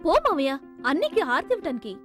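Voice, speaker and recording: A cheeky young daughter who trades quips with her uncle in a Telugu film. Her voice is high and bouncy, with a Telugu accent, and music sits clearly behind her. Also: very animated, fast talker.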